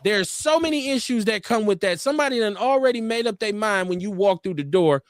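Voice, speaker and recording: A man's voice: brisk, dry recording, clean studio sound. A man with an urban Black American accent who hosts a live online talk show, speaking casually, turning preachy as he makes his points and reading viewer comments aloud. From United States. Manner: animated, preachy, leaps up high in pitch to make points.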